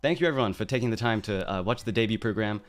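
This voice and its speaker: A man's voice: on the low side, rapid-fire, soft background music. A man streaming, chatting casually and playfully about his likes and interests, with fillers and asides. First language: English. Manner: playful, mock-tough opening, rambling asides. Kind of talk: casual live-stream chat.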